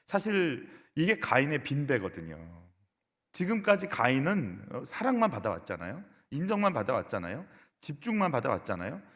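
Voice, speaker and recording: Lively, expressive Korean pastor preaching in a reverberant church. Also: male voice, mid-range voice, moderate pace. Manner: emphatic preaching with rhetorical questions to the congregation. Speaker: senior pastor. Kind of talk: sermon. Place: church sanctuary. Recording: echoey church hall.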